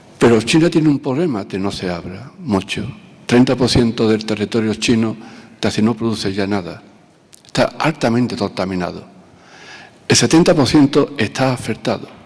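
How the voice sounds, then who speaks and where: Using lively intonation, a man with an unremarkable speaking voice talks at a moderate pace and a medium pitch. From Andalusia, Spain (Marchena, Seville). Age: 60s. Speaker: agriculture association president, panel speaker. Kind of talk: conference panel talk.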